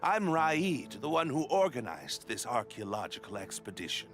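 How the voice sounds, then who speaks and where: A man voicing a polite, flattering yet dismissive expedition leader in a video game, speaking formally. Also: mid-range voice, soft background music. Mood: courteous. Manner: courteous, formal, measured politeness. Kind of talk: English video game voice acting.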